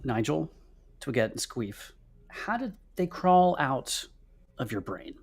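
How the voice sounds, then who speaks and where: A woman's voice: very deep voice, very animated, takes it slowly, slightly rough. A woman hosting a casual chat, asking questions in a theatrical, teasing way. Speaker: show host.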